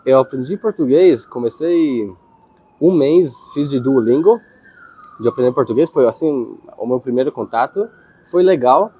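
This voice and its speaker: Hesitant Israeli man, dark mellow voice. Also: medium pitch, animated, normal speed, husky. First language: Hebrew. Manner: hesitant, searching for words, with restarts. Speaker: interviewee. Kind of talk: casual interview answers.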